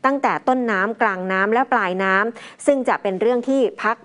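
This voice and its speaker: Female news anchor, fairly high voice, steady formal read. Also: a little fast. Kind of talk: news report reading.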